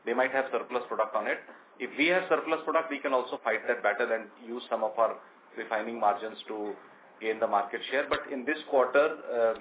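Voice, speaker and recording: A man with an Indian accent answering questions as a company executive on an earnings conference call, explaining in a measured, halting way. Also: mid-range voice. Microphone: conference call line. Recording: tinny conference phone line with noise.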